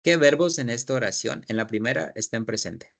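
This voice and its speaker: A man's voice: medium pitch, a little fast, creaky. Guy teaching english, patient, keeps repeating what students say and asking questions. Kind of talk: classroom teaching, explaining in Spanish.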